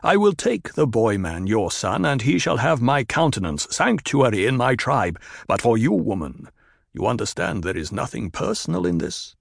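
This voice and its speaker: A man voicing a gruff, blustering desert tribal leader who bellows insults. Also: medium pitch, sing-song, moderate pace, dry recording, clean studio sound. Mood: stern.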